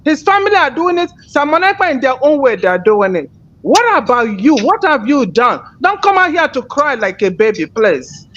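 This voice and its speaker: A woman's voice: high voice, sing-song, normal speed, a bit bright. A woman host, confronting a caller in heated call-in commentary and firing repeated questions. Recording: dull lo-fi, faint noise.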